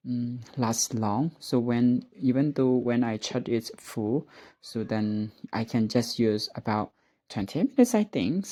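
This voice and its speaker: Hesitant Burmese-accented speaker, slow and casual. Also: mid-range voice, darkish tone. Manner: hesitant, searching for English words. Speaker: vlogger practicing spoken English. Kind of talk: casual narration while tidying up. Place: indoors at home.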